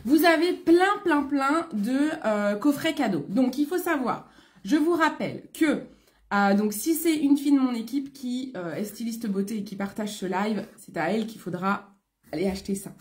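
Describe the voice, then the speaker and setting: A woman's voice: fairly high pitch, lively intonation, normal speed. A French woman hosting a casual live stream as a beauty consultant, chatty and greeting viewers by name, with a throat congested from a coming cold. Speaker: beauty consultant selling online.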